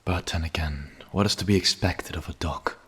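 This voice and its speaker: A man playing a grim, menacing vampire hunter in an ASMR roleplay, speaking slowly and solemnly in a husky voice that often sinks into a whisper. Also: low voice, a bit bright, heavily acted. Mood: cold menace. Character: grim male vampire hunter, menacing yet pleading captor. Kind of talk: ASMR roleplay, dramatic monologue.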